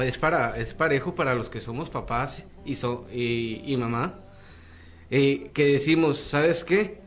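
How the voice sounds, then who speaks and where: A man hosting a Christian radio talk, preacherly and often checking for agreement. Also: mid-range voice. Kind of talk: casual Christian radio discussion.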